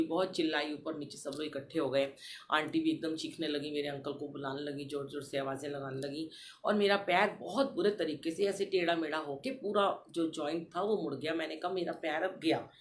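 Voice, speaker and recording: A middle-aged woman hosting a devotional podcast, telling a personal story in an animated way and addressing the listeners directly. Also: low voice, a little fast, slight background noise. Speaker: satsang podcast host.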